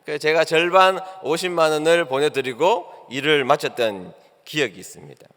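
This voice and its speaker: A man's voice: fairly high pitch, normal speed, a bit bright. A male pastor preaching a sermon, telling a personal story and acting out both sides of a phone call. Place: church sanctuary. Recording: long church hall reverb.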